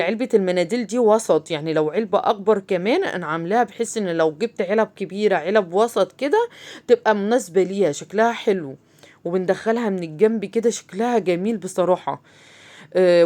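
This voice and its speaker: Quick, chatty Egyptian craft host. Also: female voice, mid-range voice, mellow. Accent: Egyptian Arabic. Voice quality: chatty, talks straight to viewers, many fillers. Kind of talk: casual craft tutorial.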